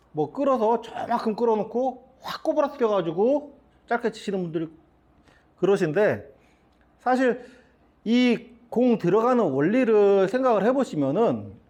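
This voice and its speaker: A middle-aged South Korean man with a high, darkish voice gives a billiards demonstration lesson at the table. He walks through each shot step by step and asks his students questions along the way.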